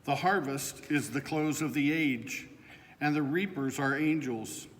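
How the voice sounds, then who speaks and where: A middle-aged pastor reading the gospel in a steady, clear liturgical manner in a church. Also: male voice, on the high side, a little slow. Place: church sanctuary, indoors. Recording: echoing church with faint noise.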